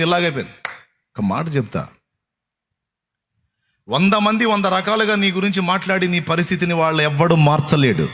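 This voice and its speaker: Pastor, male, high-pitched, preaching with emphatic repetition and rhetorical questions. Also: a bit bright. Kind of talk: sermon to a congregation.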